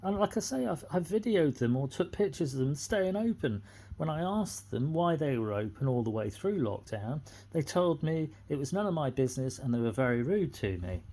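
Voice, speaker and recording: An aggrieved middle-aged British tenant talks off the cuff in a soft-edged, mellow voice. The pitch sits in a middle register and moves around freely. The delivery is indignant and repetitive, like a personal complaint spoken without a script. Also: big pitch swings, moderate pace. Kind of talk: unscripted personal grievance monologue.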